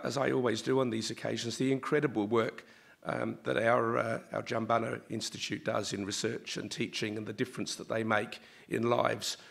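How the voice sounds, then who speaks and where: Croaky man at a lectern. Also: mid-range voice, a bit bright. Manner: halting, many ums and uhs. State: slightly croaky voice. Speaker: university vice-chancellor. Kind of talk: formal welcome speech at a lectern. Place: large auditorium stage. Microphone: lectern microphone.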